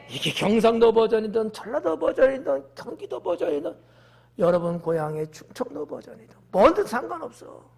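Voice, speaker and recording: A pastor preaching a Sunday sermon in a strikingly high, very lively voice. He acts out quoted lines and swings from near-shouts down to hushed whispers. His delivery is dramatic and expressive throughout. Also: vocal fry. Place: church sanctuary.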